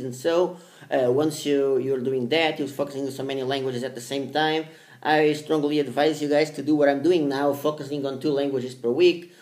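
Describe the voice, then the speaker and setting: A man's voice: a little high, darkish tone. Rambling man in an echoey room. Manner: halting and rambling, many restarts and fillers. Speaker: language learning vlogger. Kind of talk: casual spoken advice to camera.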